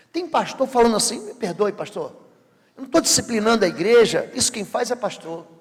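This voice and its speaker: A man with a high pitch speaks at a moderate pace. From Rio de Janeiro, Brazil. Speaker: pastor. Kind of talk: sermon. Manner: animated.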